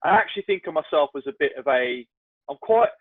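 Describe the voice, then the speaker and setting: A man's voice: a little high, expressive, quick pace, no room sound. A man with a Black Country accent, a podcast guest talking in a chatty, self-deprecating way with lots of restarts. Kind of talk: casual podcast chat. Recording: tinny, dry phone-like line.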